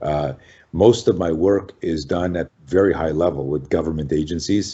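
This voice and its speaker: A man talks at a very deep, low pitch with vocal fry. His pace is moderate, and his pitch varies in an ordinary way. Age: 60s. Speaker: self-defense coach. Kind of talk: interview. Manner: many fillers and repetitions.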